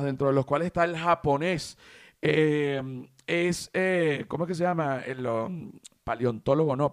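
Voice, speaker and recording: Animated Venezuelan man with a fairly high voice. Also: no echo, studio quality. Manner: animated, joking, stretches words for emphasis. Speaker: podcast host. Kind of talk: casual comedic chat.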